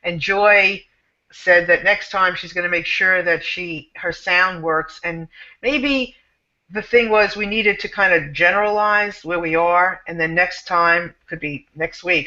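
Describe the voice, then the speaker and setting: A woman's voice: lowish voice, bright, forceful tone, dull audio. A woman hosting a casual panel talk, emphatic and repetitive, running phrases together. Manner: emphatic, repeats herself, runs phrases together. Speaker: host.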